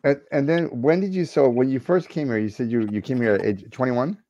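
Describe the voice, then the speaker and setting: A man's voice: mid-range voice, fairly quick, mellow, no room sound, highs cut off. A man hosting a podcast interview, asking loose, rambling questions and restarting them often. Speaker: podcast host. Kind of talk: casual interview.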